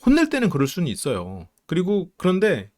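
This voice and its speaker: A man talks through a reality show episode with a counselor's eye, acting out the quoted family lines as he goes. His voice sits a bit high and moves up and down a lot. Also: a little fast. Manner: animated, acts out quoted lines of family members. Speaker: counseling psychology YouTuber. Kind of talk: casual commentary reviewing a reality show. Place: home studio, live stream.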